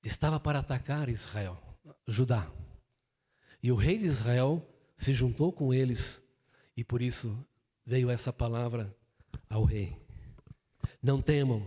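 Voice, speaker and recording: A man with a medium-pitched voice, a dark, mellow tone and a somewhat breathy quality speaks at a fairly slow pace with ordinary pitch variation and long, frequent pauses. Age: 60s. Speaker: pastor. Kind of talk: sermon. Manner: halting.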